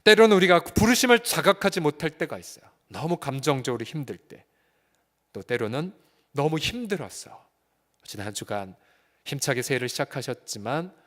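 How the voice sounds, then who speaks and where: A male pastor preaching a sermon with fervor, swinging between soft, quiet stretches and loud, rising appeals. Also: on the high side, sing-song, brisk, long reverb tail. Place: church sanctuary.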